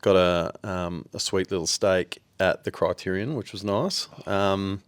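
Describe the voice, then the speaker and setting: A man's voice: low-pitched, fairly even intonation, measured pace, smooth, dry recording. A laid-back Australian man from Western Australia, co-hosting a podcast in casual chat and rambling with fillers. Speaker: podcast co-host.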